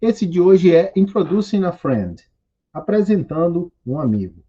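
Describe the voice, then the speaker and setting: Brazilian male English teacher, 40s, warm mellow voice, rambling delivery. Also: sits high, big pitch swings, slightly rough, highs cut off. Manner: rambling, self-correcting, reads English lines slowly. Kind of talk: recorded online class.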